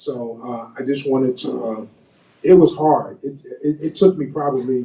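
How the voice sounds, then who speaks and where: He has an ordinary speaking voice, a man at medium pitch with ordinary pitch variation. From North Carolina. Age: 60s. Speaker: author and speaker. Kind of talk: interview at a book event. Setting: bookstore event with audience.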